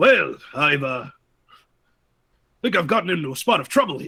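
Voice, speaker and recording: A man's high-pitched, put-on character voice delivered at a moderate speed. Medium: actual play.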